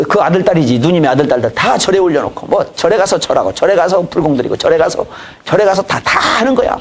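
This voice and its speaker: A pastor in his fifties giving a church training lecture, telling folksy family stories and acting out conversations. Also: on the high side. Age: 50s. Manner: folksy storytelling, acts out dialogue. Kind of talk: lecture on evangelism.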